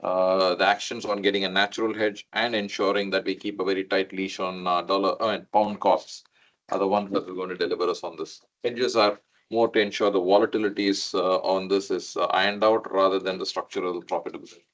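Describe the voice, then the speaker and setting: A man's voice: deep voice, level tone, fairly quick, a bit bright. A man speaking as a finance executive on an earnings call, methodically setting out his points. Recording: dull, muffled call audio.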